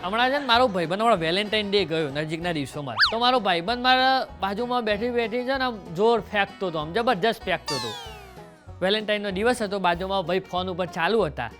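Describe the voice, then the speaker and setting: A man performing stand-up comedy, telling jokes and stories to the audience in a lively way. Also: sits high, fast, music in the background.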